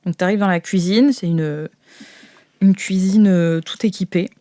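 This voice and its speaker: A woman's voice: fairly low pitch, a little slow, warm tone. A woman narrating an improvised tabletop game as game master, in an informal, descriptive and hesitant way.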